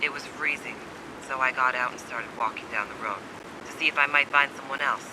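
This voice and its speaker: A man's voice: medium pitch, fairly even intonation, fairly quick, noisy background, natural voice. A man playing a wary, secretive survivor in a video game, terse, guarded and cynical, with blunt urgency. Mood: grim, shaken. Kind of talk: dramatic video game acting.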